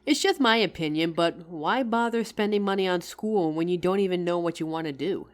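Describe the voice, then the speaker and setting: A devoted working wife, acted out by a woman, speaks in a fairly low voice. Her delivery is tender and conversational, with a teasing edge, in the close, personal style of a scripted roleplay monologue for one listener. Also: brisk, close to an everyday voice. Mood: fond teasing. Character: loving, tired career-woman wife talking to her househusband.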